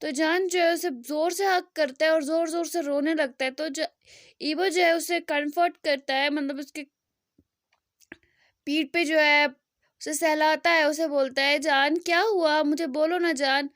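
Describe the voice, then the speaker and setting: A woman with a high, clear voice retells a love story in a loose, chatty way. She rambles and restarts, padding lines with fillers, recorded close and dry with no room sound. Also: steady tone, measured pace, fairly bright tone, dry recording. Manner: rambling, with many fillers and self-corrections.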